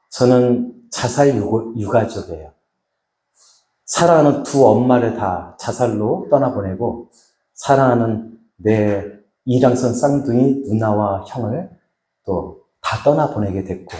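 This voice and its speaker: A middle-aged man from Chungcheong giving a dramatic, emotional testimony sermon as a healing minister, going from loud to hushed. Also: mid-range voice. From Chungcheong, Korea. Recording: echoey hall.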